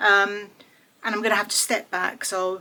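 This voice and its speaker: This voice has a bright, sharp tone and an English accent. The pace is moderate. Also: woman. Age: 70s. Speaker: lifestyle vlogger. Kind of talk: casual chat. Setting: at home. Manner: hesitant, many fillers.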